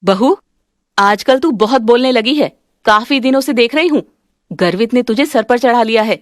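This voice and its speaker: Woman as a sharp-tongued mother-in-law, lowered stern voice, dry close sound. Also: moderate pace, dry recording, natural voice. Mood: scolding. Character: stern middle-aged mother-in-law, scolding. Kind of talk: Hindi family drama voice acting.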